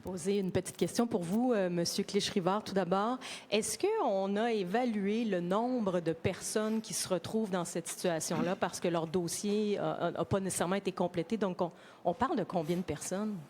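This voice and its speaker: A female journalist asking measured questions at a press conference, with some hesitations. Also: medium pitch, a little mellow, a little hiss or hum.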